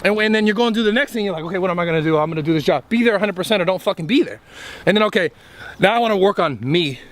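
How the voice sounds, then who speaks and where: A man speaks quickly and emphatically to his camera outdoors, riding one motivational thought into the next. His voice sits high and his pace is rapid. He swears freely and keeps pushing his point. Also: expressive. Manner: rambling, profane, fast and emphatic. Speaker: vlogger. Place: outdoors among trees.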